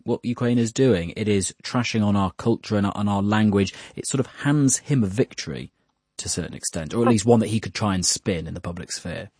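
A man's voice: lowish voice, a little mellow, husky, no echo, studio quality. A man presenting the news, pressing his guests with challenging questions. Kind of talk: probing interview questions.

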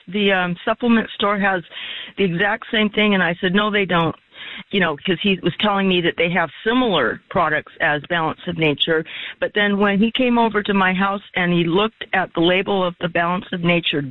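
A woman's voice: mid-range voice, no echo. A woman giving a chatty customer testimonial, telling a story about her son. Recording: tinny phone-like audio.

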